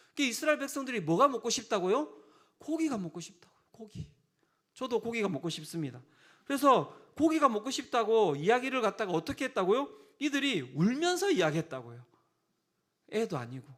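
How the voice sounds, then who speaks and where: A man's voice: very high-pitched, fairly bright tone. A man preaching a sermon as pastor, telling the story with humor and acting out quotes in exasperated voices.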